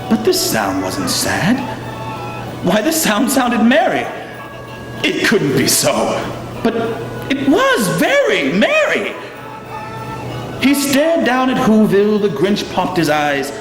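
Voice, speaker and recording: A man giving a dramatic, highly expressive storybook narration in a theatrical manner. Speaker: actor giving a dramatic reading. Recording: echoey reverberant room, music behind.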